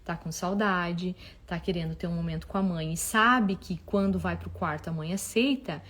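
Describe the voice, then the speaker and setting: Expressive mother giving parenting advice. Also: lowish voice, moderate pace. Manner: expressive, acts out dialogue with children. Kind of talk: casual advice talk to an audience.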